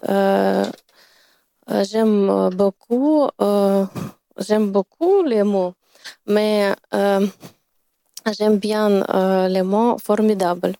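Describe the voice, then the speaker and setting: A woman from Ukraine, a French learner, speaking hesitantly with many pauses. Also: medium pitch, vocal fry, warm tone, no room sound. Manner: very slow, hesitant.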